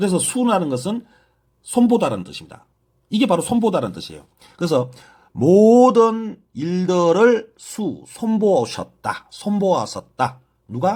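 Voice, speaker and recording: A man speaks at a fairly slow pace in a high pitch, with very wide pitch swings and big swings in loudness. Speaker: self-styled Bible translation lecturer. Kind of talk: lecture. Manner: halting with fillers.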